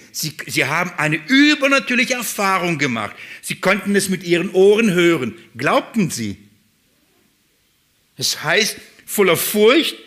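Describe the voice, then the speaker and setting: A man preaching a sermon, asking his listeners questions and acting out quoted lines with sudden exclamations. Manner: lively, asks the congregation rhetorical questions; acts out quoted speech with sudden high exclamations.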